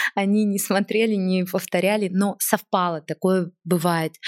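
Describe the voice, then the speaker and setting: Her voice a normal speaking voice at a medium pitch, a woman speaks with fairly even intonation on a very clean recording with a silent background, dry and close with no echo. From northern Russia, Vologda region (small town). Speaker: fashion designer and brand founder. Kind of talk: casual interview conversation. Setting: in her own clothing salon.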